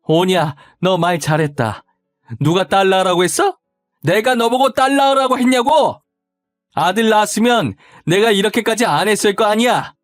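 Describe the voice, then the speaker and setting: Spiteful older woman, shrill and yelling, in a dry booth with faint music, a man putting her on. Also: moderate pace, dry recording, natural voice. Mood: furious. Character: spiteful shrieking older mother-in-law woman.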